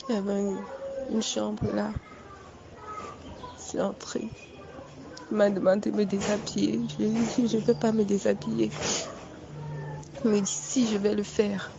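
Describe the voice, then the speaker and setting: A young adult woman giving a personal testimony, recounting events in a halting, repetitive, shaken way. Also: medium pitch, little pitch movement, gravelly. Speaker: witness recounting an assault. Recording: dull lo-fi recording with faint background noise.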